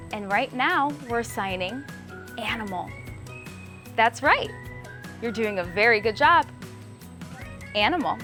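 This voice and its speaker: A woman's voice: medium pitch, a bit bright. A woman teaching sign language to young children step by step, talking simply and encouragingly to the viewers. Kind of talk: children's show lesson, step-by-step instruction.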